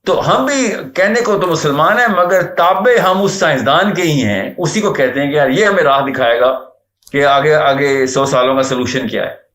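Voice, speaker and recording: A man's voice: on the high side, fairly bright tone, roomy sound. A man speaking earnestly in a lecturing manner, mixing in English words, as a guest on a talk show. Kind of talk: Islamic talk show discussion.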